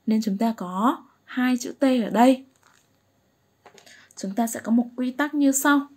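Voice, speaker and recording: Woman teacher, talks slow and patient, kinda high voice, keeps checking the kids get it. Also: a little mellow. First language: Vietnamese. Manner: patient, keeps asking "right?" to check understanding. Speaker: English teacher. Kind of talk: slow explanatory lesson.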